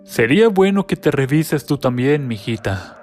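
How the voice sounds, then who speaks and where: A man's voice: mid-range voice, very animated, moderate pace, a little mellow, close to an everyday voice. A lecherous older man, falsely cheerful and condescending, in a horror story reading. His talk is sly and patronizing, voiced by a male narrator. Faint music plays behind.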